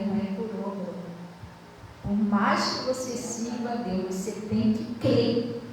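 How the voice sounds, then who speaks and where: High-voiced Brazilian woman pastor preaching. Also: darkish tone. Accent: Brazilian Portuguese. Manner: conversational preaching, keeps asking the congregation if they understand. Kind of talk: sermon. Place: church hall. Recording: echoey hall, distant mic, room noise.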